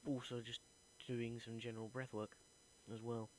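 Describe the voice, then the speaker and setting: A young man talks through his week in an earnest, thinking-aloud way. His pitch is mid-range and barely moves. A faint hum sits under the recording. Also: level tone, moderate pace, low-quality recording. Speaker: acting student. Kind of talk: reflective voice diary.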